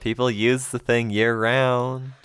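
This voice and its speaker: A man co-hosting a podcast in casual chat, dry and deadpan. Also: medium pitch, slow pace, smooth, dry recording. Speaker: podcast co-host.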